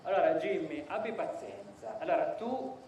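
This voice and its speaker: A man's voice: a little high, sing-song, moderate pace, darkish tone, roomy sound, recorded from a distance, slight background noise. A man educator leads a group through a role-play exercise, asking encouraging, coaxing questions.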